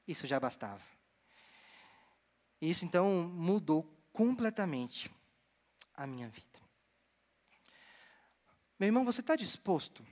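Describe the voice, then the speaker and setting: A young man from Bahia, Brazil, preaching a sermon as a seminarian and telling stories with lively delivery. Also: high-pitched. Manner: storytelling, animated, addresses the congregation directly. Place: church hall. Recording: long church hall reverb.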